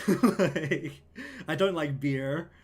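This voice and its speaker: A man's voice: a little high, very slow, breathy edge. A man with a New Zealand accent chatting casually on his livestream, rambling with lots of ums and likes. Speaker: streamer and artist. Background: faint lofi music.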